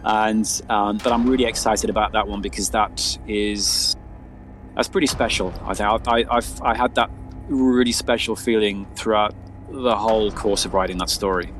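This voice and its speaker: A man's voice: lowish voice, steady tone, normal speed, fairly bright tone, slight background noise. A man speaking as a writer being interviewed, chatting casually in a hesitant, self-effacing way and often repeating his words. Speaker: interviewed guest, fiction writer.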